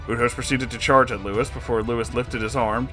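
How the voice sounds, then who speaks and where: A man reads a comic story aloud as its narrator, with music playing behind him. His voice is mid-pitched, and his delivery is dramatic with an amused edge. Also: steady tone, fairly quick, bright, forceful tone. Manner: amused, breaking into laughing asides.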